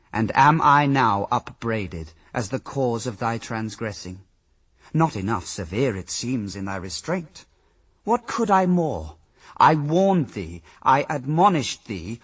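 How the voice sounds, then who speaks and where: An actor playing Adam, a bitter, reproachful first husband, declaiming formal accusing verse in a radio drama. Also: male voice, medium pitch, fairly bright tone, slightly rough, full character voice.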